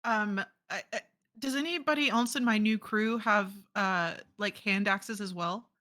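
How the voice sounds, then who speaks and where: A woman's voice: mid-range voice, measured pace, sharp tone. A woman playing a tabletop game, chatting casually with stammering restarts. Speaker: player. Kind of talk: casual chat while role-playing.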